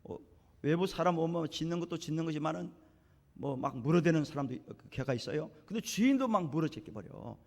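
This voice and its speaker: A man preaches a Sunday sermon in a church sanctuary, his voice riding high and swooping up and down with lively emphasis. The words carry a long reverb through the hall. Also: a little fast. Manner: animated preaching, acting out biblical dialogue with rising emphasis. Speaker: pastor.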